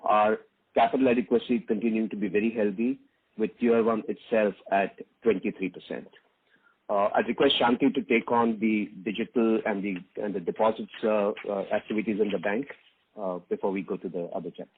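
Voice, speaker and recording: A man with an Indian accent giving a financial briefing as a bank executive on a conference call, in a halting delivery with frequent uhs. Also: on the low side, steady tone, slight background noise. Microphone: conference call line. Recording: dull, lo-fi conference call line.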